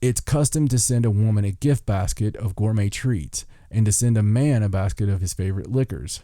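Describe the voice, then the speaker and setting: A man's voice: lowish voice, brisk, dark tone, no echo, studio quality. A man hosting a podcast, reading from a list in a folksy way with joking asides and stumbles over foreign words. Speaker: podcast host. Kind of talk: reading listicle aloud with casual joking asides.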